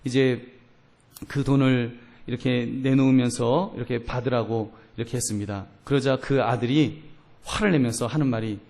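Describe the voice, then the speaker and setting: A man preaching a sermon at a middle pitch for a man. He talks with emphasis, putting rhetorical questions to the congregation and telling stories in between. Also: steady tone, moderate pace, creaky, a little mellow. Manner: storytelling with voiced quotes. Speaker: pastor.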